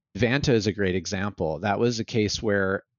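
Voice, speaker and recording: At a fairly quick pace, a man talks in a plain, everyday voice, pitched fairly low. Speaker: product executive and software engineer. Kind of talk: casual interview conversation.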